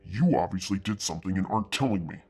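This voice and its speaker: A cruel, entitled devil speaks, put on by a man reading a storybook aloud, his voice sitting low and husky with a sneer in every word. He drawls his mockery and lets threats fall quietly. Soft music plays faintly behind him. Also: animated, quick pace, heavily acted. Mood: menacing. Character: smug menacing male devil, cruel and entitled.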